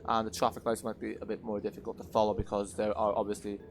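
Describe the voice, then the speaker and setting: A man reviewing a game in unscripted commentary over gameplay, explaining in a measured, hesitant way. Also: on the low side, monotone, soft background music.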